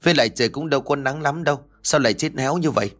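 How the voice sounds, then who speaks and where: A man voicing a bewildered middle-aged husband who protests quickly in a spoken story. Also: on the high side, fairly bright tone, voice pushed up. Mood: flustered. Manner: fast, flustered protesting.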